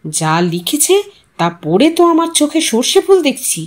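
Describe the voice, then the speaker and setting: A woman's voice: sits high, sing-song, moderate pace. A woman voicing a proud, grumbling husband who worries about money, in a sarcastic, complaining manner.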